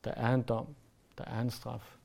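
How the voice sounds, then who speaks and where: A man preaching a sermon in an earnest way, pressing his points hard and then letting his voice fall soft. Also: medium pitch, flat delivery, creaky. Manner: earnest, rises to emphatic then drops to soft.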